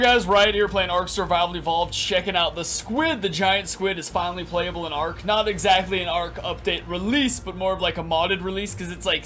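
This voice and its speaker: A young man in his twenties doing energetic, crude gameplay commentary in a small room, his voice raspy because he just woke up. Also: sits high, slight background noise. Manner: energetic, crude, rambling with lots of "like". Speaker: gaming YouTuber. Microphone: headset.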